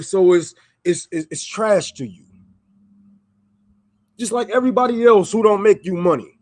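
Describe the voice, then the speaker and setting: Ranting heatedly on a livestream, a man swears and repeats lines for emphasis. His high-pitched voice is a little mellow, picked up by a microphone with no room sound.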